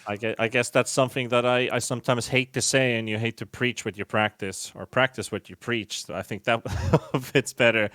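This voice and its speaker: A man hosting a podcast, mostly giving short agreeing replies and speaking in a measured way. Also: medium pitch, steady tone, fairly bright tone, no room sound. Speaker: podcast host. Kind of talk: casual podcast chat.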